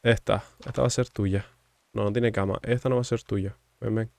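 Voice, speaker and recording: A man casually commenting on his gameplay, teasing and chatting with the game's characters in a low murmur. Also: steady tone, brisk, creaky, darkish tone, no room sound. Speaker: gaming streamer.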